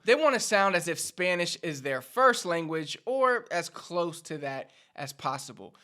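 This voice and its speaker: Bright-voiced Puerto Rican man teaching. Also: a little high. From Puerto Rico. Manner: upbeat, instructive, addresses viewers directly. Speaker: Spanish teacher. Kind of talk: direct-to-camera language lesson.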